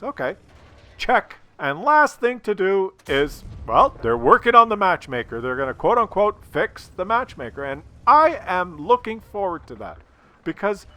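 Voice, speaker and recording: A man's voice: high voice, bright, forceful tone. A man talking casually to his viewers, blunt and opinionated, swearing freely, while losing his voice from a cold. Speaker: gaming video creator.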